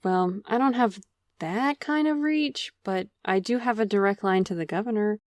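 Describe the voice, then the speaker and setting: A woman plays a privileged, lovelorn official in an audio drama, polite and apologetic. The voice sits at a middle pitch, formal and earnest, recorded close and dry. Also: moderate pace, a little mellow, no room sound, lightly acted. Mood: polite, awkward.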